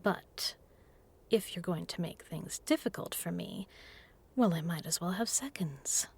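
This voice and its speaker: A woman's voice: lowish voice, animated, unhurried, vocal fry, breathy edge, heavily acted. A woman playing a seductive, menacing vampire in an intimate audio roleplay, teasing and purring, often dropping to a whisper. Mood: coaxing, threatening. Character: seductive, menacing female vampire predator toying with prey. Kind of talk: intimate hypnotic audio roleplay, slow and breathy.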